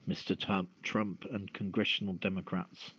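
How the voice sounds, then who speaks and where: A man hosting a radio call-in show, reading news and opening discussion in a halting delivery with stumbles. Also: low-pitched, little pitch movement, a bit bright, husky. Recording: roomy, dull lo-fi radio-style audio.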